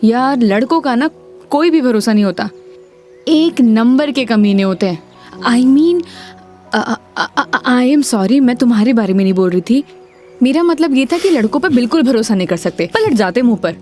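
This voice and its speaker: A woman's voice: a little high, lively intonation, a little fast, mellow, soft background music, lightly acted. An actress playing a chatty, playful woman who asks curious questions.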